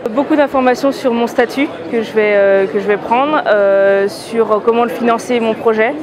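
A woman's voice: on the high side, moderate pace. A young woman in her twenties interviewed at a crowded trade fair, matter-of-fact as she lists her plans. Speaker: aspiring business founder. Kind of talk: street interview. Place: busy indoor exhibition hall. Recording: busy crowd noise behind. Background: crowd chatter.

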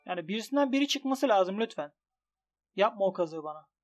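A young man commenting on his bets as a gaming YouTuber, excitable and swinging from grumbling to shouting. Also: high voice, brisk, soft background music. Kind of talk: commentary on an online gambling site.

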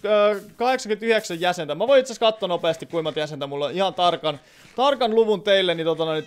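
High, clear-voiced man streaming a game. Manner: rambling, chatty, reads viewer comments aloud; sudden startled outbursts. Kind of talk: live gameplay commentary.

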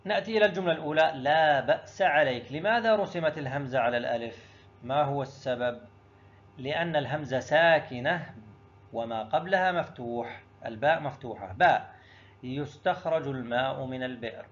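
A male teacher works through an exam review lesson, speaking directly to his students and explaining each answer step by step, often posing a question to himself before answering it. His medium-pitched voice is brisk, and the audio is dull.

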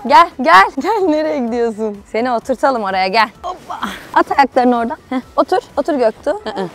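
Outdoors at a playground, a young woman vlogs while coaxing and playing with a toddler. Her high voice is animated and brisk, full of playful sing-song baby talk and frequent laughter, with a little hiss or hum in the audio.

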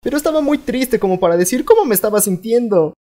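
A young man with a Latin American Spanish accent narrating a comedic cartoon storytime with an animated, playful delivery. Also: very high voice, fast. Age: young adult. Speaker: fandub narrator.

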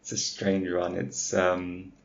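Low gravelly man. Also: slow pace, crowd noise. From London, England. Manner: relaxed, laughs often. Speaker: podcast guest. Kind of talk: casual conversation. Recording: dull lo-fi audio.

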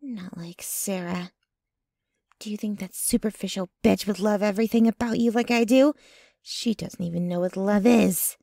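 A woman acts out a possessive young yandere girlfriend for an intimate ASMR audio drama. Her voice is soft, mellow and breathy, often slipping into whispers, recorded very close and dry. She coos and clings to the listener with a sweet, jealous menace. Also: mid-range voice, steady tone, no room sound. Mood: bitter, intense. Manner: slow, cooing, clinging to the listener.

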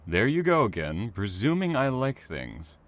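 A man playing a reserved, bookish train worker in an audio drama, speaking formally, measured and dry. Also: mid-range voice, sing-song, fairly bright tone, no room sound. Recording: clear background ambient noise.

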